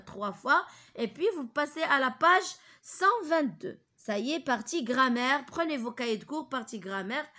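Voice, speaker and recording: A woman teacher giving a grammar lesson to pupils, hesitant with many fillers and restarts, slowly repeating key terms. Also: on the high side, bright, forceful tone.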